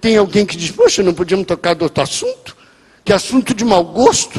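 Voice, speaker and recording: A man speaks over noticeable background noise. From Rio de Janeiro, Brazil. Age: 60s. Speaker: pastor. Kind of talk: sermon. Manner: storytelling.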